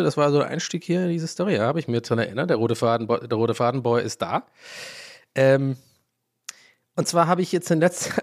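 A man born in Ireland whose first language is English, hosting a casual solo podcast and rambling, losing his thread and laughing at himself. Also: medium pitch. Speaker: podcast host.

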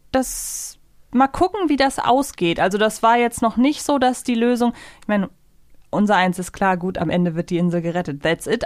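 Woman podcaster, medium pitch, dry close sound. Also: dry recording. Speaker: podcast co-host. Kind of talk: casual review chat about audio dramas.

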